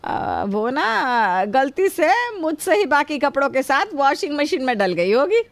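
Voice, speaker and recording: A woman's voice: high-pitched, very animated, measured pace, dry recording, exaggerated voice. A middle-aged woman playing a kind, protective mother-in-law who scolds yet shields her daughter-in-law.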